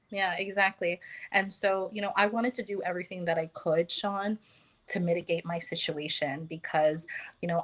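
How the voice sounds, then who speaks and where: An American woman talking as a guest in a casual conversation, pausing often with fillers and restarts. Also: on the low side. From United States. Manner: hesitant, many fillers and restarts.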